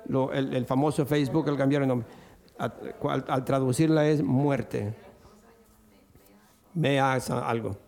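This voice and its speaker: An older man preaching a sermon to a church congregation, acting out the voices he quotes and rising to high, excited bursts. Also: measured pace, vocal fry, pauses often.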